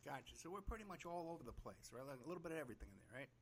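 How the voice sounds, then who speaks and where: Fast-talking gravelly podcast host. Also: male voice, on the high side, very animated. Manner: fast, enthusiastic, frequent laughs and fillers. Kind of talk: casual interview chat.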